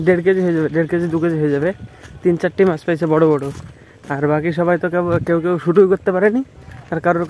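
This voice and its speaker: A man's voice: a little high, darkish tone, a little hiss or hum. A man chatting casually to the camera while walking outdoors by a river. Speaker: vlogger. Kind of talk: casual outdoor vlog narration.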